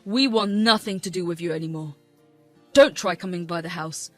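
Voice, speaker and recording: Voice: medium pitch, normal speed, lightly acted. A voice actor playing a betrayed, angry grown son and husband who confronts his mother, over faint music. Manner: outraged, confronting.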